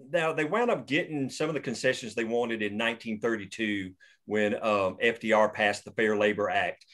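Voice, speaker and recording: A man's voice: lowish voice, fairly bright tone. A man hosting a script table read, casually explaining the story and its history, with many restarts. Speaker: writer and host of the table read.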